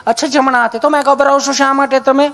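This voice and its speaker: Man doing a high sweet nurse lady, gentle askin. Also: fairly even intonation, quick pace. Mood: coaxing. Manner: gentle, coaxing questions. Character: sweet-talking woman nurse at a clinic. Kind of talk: stand-up joke telling.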